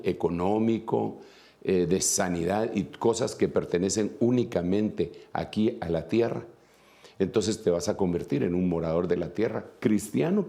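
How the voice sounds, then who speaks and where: Guatemalan preacher, male, earnest sermon delivery with repetitions, low gravelly voice. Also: mellow. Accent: Guatemalan Spanish. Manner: earnest, repeats phrases for emphasis, fillers and restarts. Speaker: apostle and preacher.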